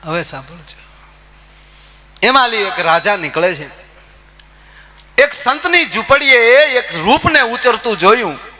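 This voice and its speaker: A man telling folk comic stories on stage, lively and addressing his listeners directly. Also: high-pitched, takes it slowly, long pauses. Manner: lively, animated, addressing audience as "bapu" and "saheb". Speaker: folk comedian storyteller. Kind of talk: stage folk humor storytelling.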